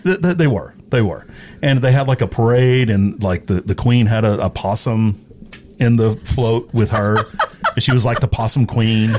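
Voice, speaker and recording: A man's voice: on the low side, moderate pace, background noise. A middle-aged man from East Texas chatting casually as a guest, telling anecdotes in a good-humoured way. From East Texas, United States. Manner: good-humoured, chuckles through his stories. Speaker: guest, veteran radio personality.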